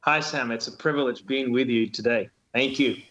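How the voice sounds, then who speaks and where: A man's voice: mid-range voice, moderate pace, a bit bright, rough recording. A man with a Ukrainian accent, a pastor being interviewed, speaking hesitantly and repeating words while searching for phrasing. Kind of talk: guest interview.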